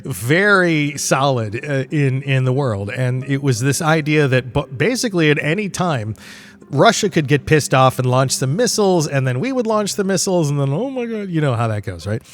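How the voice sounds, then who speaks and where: A middle-aged man hosting a podcast in a casual, rambling monologue, with an informal, animated way of talking. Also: fairly high pitch, moderate pace. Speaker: podcast host.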